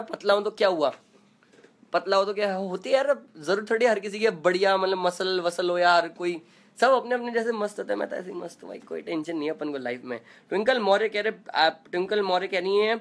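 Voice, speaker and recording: A man chatting playfully and non-stop in a casual live video chat, reading out comments as a singer host. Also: fairly high pitch. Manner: playful, joking.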